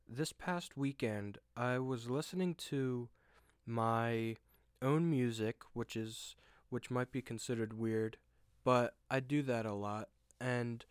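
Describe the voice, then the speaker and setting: A young man hosting a solo podcast, rambling and self-deprecating with lots of fillers and restarts, with a deep voice. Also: clean tone, no echo, clean studio sound. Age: young adult. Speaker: podcast host. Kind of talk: casual solo monologue. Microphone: desk microphone at home.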